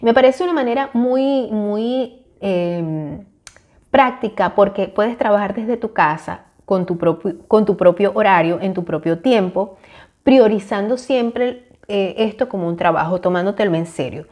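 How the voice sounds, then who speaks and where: A woman's voice: mid-range voice, a little slow, a little mellow. A woman, talking to camera on a lapel mic in a small room, earnest and encouraging with frequent hesitations. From Venezuela. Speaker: YouTuber. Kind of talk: casual talk to camera.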